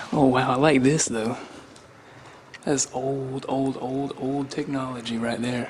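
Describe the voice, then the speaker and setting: This man talks at a fairly slow pace in a monotone, flat intonation. Light background noise can be heard. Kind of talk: casual vlog commentary. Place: church. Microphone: phone near.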